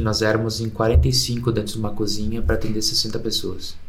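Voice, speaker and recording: Noticeable background noise and audible room echo around a man's medium-pitched, moderately paced voice. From southern Brazil, Rio Grande do Sul (Nova Bassano). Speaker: chef and baker. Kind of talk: podcast interview.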